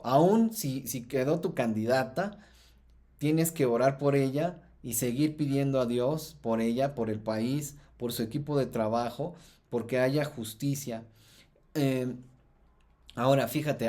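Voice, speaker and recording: A man from Mexico hosting a Christian podcast, teaching in a thoughtful way with many pauses and fillers. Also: mid-range voice, dark tone. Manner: thoughtful, many fillers and restarts, rises in emphasis.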